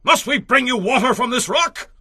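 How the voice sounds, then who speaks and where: A man playing an aggrieved ancient Israelite in a dramatized audio Bible, declaiming loudly and emphatically. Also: very high voice, animated, moderate pace, husky, no echo, clean studio sound, exaggerated voice. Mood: angry.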